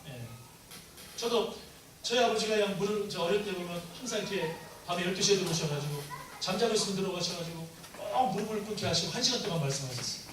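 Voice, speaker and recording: A man's voice: high-pitched, fast, noisy background. A man preaching a sermon to a congregation, asking them questions and acting out prayers in a raised voice. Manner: conversational preaching with call-and-response questions; acts out quoted prayers in raised voice. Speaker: pastor. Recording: echoey room from a distance with faint ambience.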